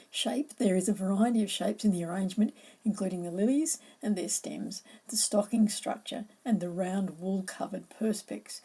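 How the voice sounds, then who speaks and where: A middle-aged woman with a croaky voice, presenting an educational floral design talk in a measured, explanatory way. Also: medium pitch, dark tone.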